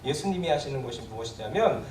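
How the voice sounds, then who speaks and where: A pastor gives a sermon with a lively, rising-and-falling delivery, talking to the congregation as if in conversation and checking in with frequent questions. The voice sits back from the microphone and rings through a reverberant church hall. A faint hiss of room noise stays under it. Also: medium pitch, quick pace. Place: church sanctuary. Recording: echoey church hall, voice from a distance.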